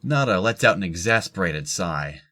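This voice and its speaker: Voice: sits low, lively intonation, normal speed, bright, forceful tone. A narrator reading scripted descriptions of the action in an audio drama.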